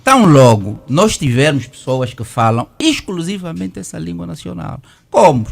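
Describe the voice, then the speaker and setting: A man's voice: a little high, animated, normal speed, creaky, breathy edge. A middle-aged man from Malanje with an Angolan Portuguese accent, a lawyer on a debate panel who argues persistently and keeps talking through interruptions. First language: Kimbundu.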